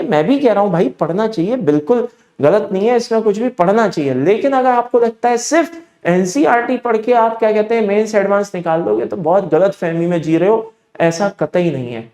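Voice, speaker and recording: A man's voice: high voice, expressive, brisk, mellow, reverberant. Emphatic Indian male chemistry teacher. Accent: Indian English. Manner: emphatic, repeats points, keeps checking in with students. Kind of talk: exam-prep lecture.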